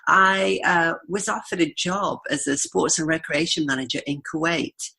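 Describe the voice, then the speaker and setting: A woman's voice: deep voice, steady tone, normal speed, gravelly, pushed and bright, husky. A woman in her fifties with a Yorkshire accent, chatting as a guest and telling stories with frequent laughs. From Yorkshire, England. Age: 50s. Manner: chatty, laughs often, storytelling. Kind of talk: podcast interview.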